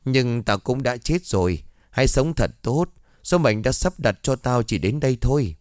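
A man's voice: mid-range voice, lively intonation, normal speed, a little mellow, no echo, clean studio sound, lightly acted. A man voicing the ghost of a young man, the narrator's friend, who is frightened and resigned to his fate. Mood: grave.

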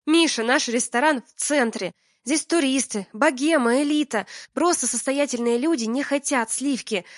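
A woman voicing a furious young woman who owns a restaurant, with a voice that turns shrill when she shouts. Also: lively intonation, fast, no echo, clean studio sound.

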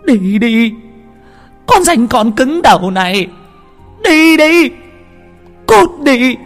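Frail hunched old granny for a horror audiobook, high and raspy, voiced by a man. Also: very animated, slow, a little mellow, faint music behind, heavily acted. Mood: shrieking. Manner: pleading then shrieking in fury. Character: frail hunched old grandmother, fierce and desperate.

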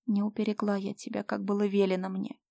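A woman's voice: mid-range voice, monotone, fast talker, vocal fry, warm tone, no echo, studio quality. A woman voicing a young mother, indignant at first, then weak and whispering tenderly.

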